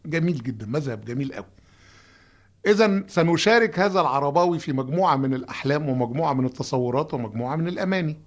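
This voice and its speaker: A man with an Egyptian accent who hosts a music commentary, reciting song lyrics aloud and humming melodies as he explains them. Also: a little high. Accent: Egyptian Arabic. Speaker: host explaining songs.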